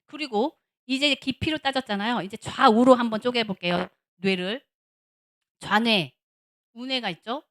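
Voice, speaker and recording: A middle-aged woman, a seminary professor, giving a lively lecture on marriage at a church, acting out little dialogues and repeating words for emphasis. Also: fairly high pitch, normal speed. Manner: animated, acts out little dialogues of husbands and wives.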